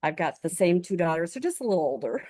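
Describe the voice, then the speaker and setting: A woman's voice: on the low side, big pitch swings, quick pace, dark tone, no room sound, studio quality. A woman co-hosting a video-call chat, talking in a joking, chatty way. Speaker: co-host. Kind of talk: casual chat.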